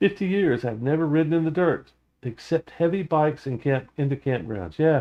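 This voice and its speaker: A man with a fairly high pitch and an ordinary speaking voice talks at a moderate pace with ordinary pitch variation. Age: 60s. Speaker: motorcycle YouTuber. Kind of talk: live stream chat reading. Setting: live stream. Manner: casual, rambling with fillers.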